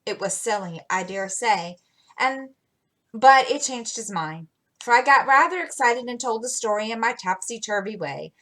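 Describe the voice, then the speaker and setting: A woman's voice: on the high side, lively intonation, normal speed, bright, forceful tone. A woman reading as a spirited young heroine. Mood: eager. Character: spirited teenage girl heroine, impulsive.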